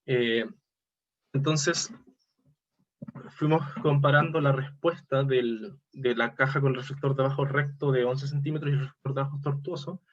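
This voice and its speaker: A man gives a technical conference presentation over slides, halting and often correcting himself as he goes. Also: mid-range voice, steady tone, highs cut off. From Chile. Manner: halting, self-correcting, hesitant delivery. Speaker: academic presenter.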